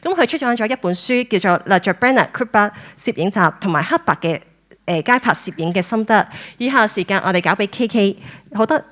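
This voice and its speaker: A woman speaking Hong Kong Cantonese, hosting and introducing speakers at a gallery talk in an even, formal way. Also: medium pitch, fairly quick. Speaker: host. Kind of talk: event introduction. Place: gallery room.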